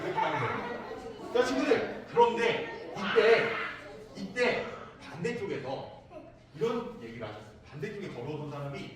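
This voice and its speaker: A man's voice: high voice, sing-song, normal speed, crowd noise. A man preaching to young children, asking them questions and repeating their answers. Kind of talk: children's sermon with call-and-response questions. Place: church worship room. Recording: echoey room, mic at a distance.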